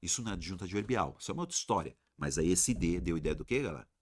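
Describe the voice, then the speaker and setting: A Brazilian man runs an exam-prep grammar lesson in a fairly low voice. His pitch swings widely as he talks. He uses slang and keeps firing rhetorical questions at his viewers. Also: animated, rapid-fire. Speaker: teacher.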